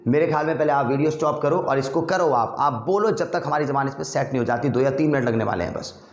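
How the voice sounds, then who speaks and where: A man's voice: mid-range voice, fast talker. A man teaching spoken English in casual Hindi, repeating drill phrases again and again and calling his viewers brother. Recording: echoey room.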